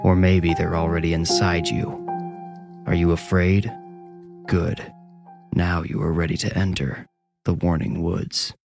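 A man playing an ominous, taunting horror storyteller in a show introduction, sinister and gravelly. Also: deep voice, flat delivery, a little slow, pauses often, a little mellow, faint music behind, heavily acted. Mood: menacing, taunting. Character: ominous, menacing horror storyteller welcoming listeners.

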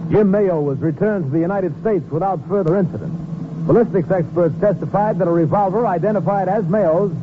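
Male old-time radio announcer, high formal delivery, tinny noisy recording. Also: a little fast. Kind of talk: formal 1950s radio narration.

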